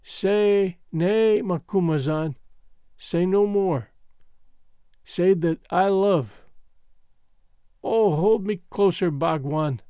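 A man voicing a gentle, devoted young woman who is dying, speaking softly and tenderly. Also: high voice, extremely slow, pauses often, smooth, no room sound, clean studio sound. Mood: tender, fading. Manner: soft, fading, tender.

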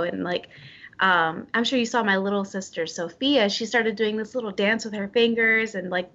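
A woman's voice: mid-range voice, fairly bright tone. Bubbly chatty woman on a muffled line. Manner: bubbly, chatty, says "like" a lot. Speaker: interview guest. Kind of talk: casual interview chat.

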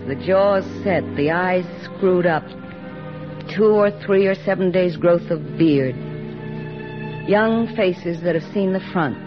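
A reflective wartime nurse. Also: female voice, lowish voice. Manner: reflective, soft-spoken narration. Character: thoughtful young wartime army nurse, female. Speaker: army nurse and narrator. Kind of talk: 1940s radio acting. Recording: dull old radio recording with music.

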